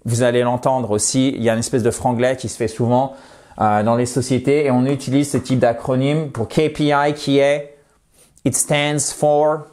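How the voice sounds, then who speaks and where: Guy giving an english lesson, stretches out example phrases, upbeat. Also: medium pitch. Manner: lively, drawn-out slow drills of English phrases. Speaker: English teacher. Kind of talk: online language lesson.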